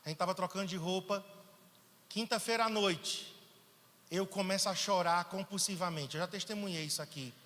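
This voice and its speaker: A man's voice: high voice, moderate pace. A male pastor from Pernambuco, Brazil, preaching a sermon in a church and telling a personal testimony, acting out quoted dialogue. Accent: Brazilian Portuguese, Pernambuco. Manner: animated storytelling, acts out quoted dialogue. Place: church sanctuary. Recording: church hall reverb.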